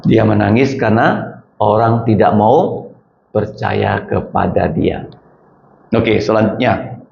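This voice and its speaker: A man's voice: on the low side, steady tone, takes it slowly, gravelly, a little hiss or hum. A man preaching an interactive sermon, firing questions at his listeners, calling on them by name and mixing casual slang with swings in emphasis. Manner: colloquial, rising and falling emphasis. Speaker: preacher teaching a class. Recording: echoey room, dull lo-fi sound.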